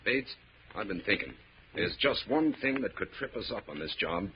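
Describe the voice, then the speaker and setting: A man's voice: lowish voice, big pitch swings, normal speed. An actor playing a ruthless, bossy bank robber in an old radio drama, talking in clipped tough-guy slang with a commanding manner. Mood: calculating. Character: ruthless bossy male bank robber, hard-boiled crook. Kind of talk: 1940s-50s radio drama acting. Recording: muffled old radio recording, faint hiss.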